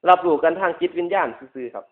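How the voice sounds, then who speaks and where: A man's voice: a little high, fast talker. A man with a northeastern Thai Isan accent giving a Buddhist sermon as a monk, repeating points emphatically with polite phrase endings. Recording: dull lo-fi radio-like recording.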